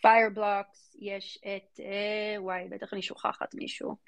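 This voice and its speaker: A woman's voice: medium pitch, level tone, creaky. A woman with an Israeli accent giving casual interview answers, emphatic and informal, often repeating words for emphasis. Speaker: guest, fintech venture investor.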